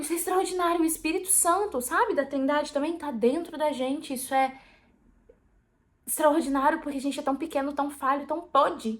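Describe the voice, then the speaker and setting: A woman speaks loudly at a fairly quick pace. Her pitch is high, with ordinary variation. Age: 20s. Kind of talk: casual chat, personal testimony. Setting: at home on sofa under blankets. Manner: loud, expressive.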